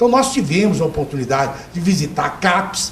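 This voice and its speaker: The speech moves at a fairly slow pace. Audible room echo and noticeable background noise come through. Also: man. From Brazil, Minas Gerais (Belo Horizonte). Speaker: retired doctor and lawyer. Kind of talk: TV interview.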